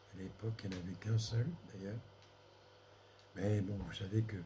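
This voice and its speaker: A man with a fairly low pitch talks fairly slowly, with noticeable background noise in the recording. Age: 70s. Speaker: author and researcher interviewed about UFOs. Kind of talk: interview storytelling. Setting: recorded at a priory. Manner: halting, many hesitations.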